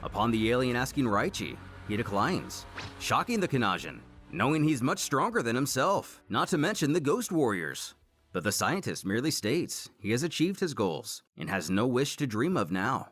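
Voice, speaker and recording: A man narrating a scripted story recap with animated delivery and wry asides. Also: medium pitch, normal speed. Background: faint background music.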